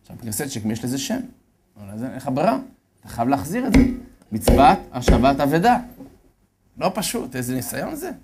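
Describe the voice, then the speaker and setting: A man telling a religious story as a lecturer, animated and often telling his audience to listen well. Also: medium pitch, pauses often, background noise. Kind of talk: storytelling sermon.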